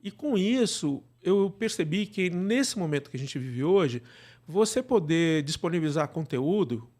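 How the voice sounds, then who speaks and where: A man's voice: a little high, lively intonation, a little slow, a little mellow. A middle-aged Brazilian man speaking as an interview guest, casually telling his story in a discursive way with frequent tag questions. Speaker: interview guest, actor and podcast producer.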